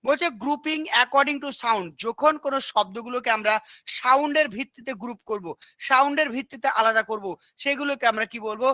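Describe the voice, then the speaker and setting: A woman's voice: high voice, fast, sharp tone, dry recording. A woman teaching an exam-prep lesson, repeating key terms and quizzing students with questions. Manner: repetitive, quizzing, asks "understood?" often.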